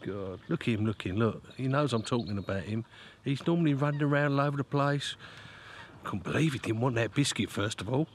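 A man's voice: mid-range voice, brisk, a little hiss or hum. A middle-aged man chatting casually in an outdoor fishing vlog, filmed on a close handheld camera beside a lake. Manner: chatty, repeats "look" often, coos at his dog. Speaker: fishing vlogger. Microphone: handheld camera close to face.

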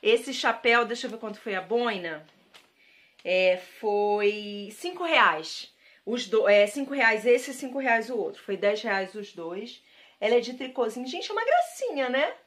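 A woman's voice: on the high side, a little slow, a bit bright. A woman from Brazil chatting to camera as a vlogger, gushing over her thrift-shop finds and addressing viewers directly. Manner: chatty and gushing, repeats praise words. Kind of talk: casual haul chat to camera.

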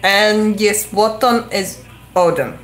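A woman's voice: mid-range voice, slow. A woman from New Zealand with a New Zealand accent and a slight English tinge, reading viewer comments aloud off camera and stumbling over foreign names. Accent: New Zealand with some English influence. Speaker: co-host reading viewer chat. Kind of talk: casual live-stream chat. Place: same small room, off camera behind the camera.

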